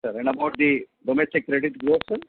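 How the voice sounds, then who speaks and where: A man's voice: mid-range voice, fairly even intonation, fast. A man with an Indian accent asking questions as an analyst on a conference call, in a hesitant, rambling way. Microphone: telephone. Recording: tinny phone line with loud noise.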